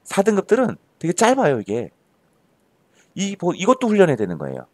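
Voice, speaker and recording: An emphatic male tutor lecturing a class, his slightly high voice swooping widely as he pushes his points. He keeps asking students questions, and the sound is close and dry. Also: wildly swooping pitch, a little fast, darkish tone, dry recording. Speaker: Korean-language tutor.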